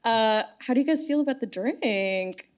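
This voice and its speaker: A woman's voice: on the high side, lively intonation, moderate pace. A woman hosting a live podcast in front of an audience, chatty and playful. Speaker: podcast host. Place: live event space with audience.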